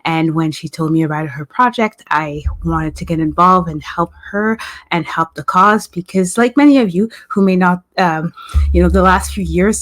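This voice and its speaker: A woman from Canada appearing as a guest, talking casually and rambling, restarting her sentences. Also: fairly low pitch. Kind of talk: casual chat.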